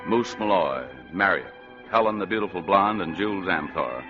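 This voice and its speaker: A man's voice: sits low, animated, normal speed. A man playing a hard-boiled private detective who narrates with dry, sardonic wisecracks in a vintage radio drama. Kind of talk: 1940s radio acting. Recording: muffled old radio broadcast with music.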